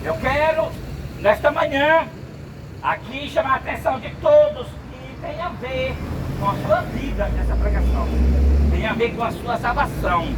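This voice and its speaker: Brazilian man, street preacher, high voice, emphatic, distant mic, loud traffic behind. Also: normal speed. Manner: emphatic, rising into shouts. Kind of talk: open-air sermon.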